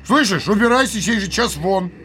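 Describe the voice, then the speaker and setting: An actor playing a hot-tempered village blacksmith in an audio drama, barking impatiently and with hostility. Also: male voice, high-pitched, animated, moderate pace, sharp tone, faint music behind. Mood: angry dismissal. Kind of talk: theatrical audio drama acting.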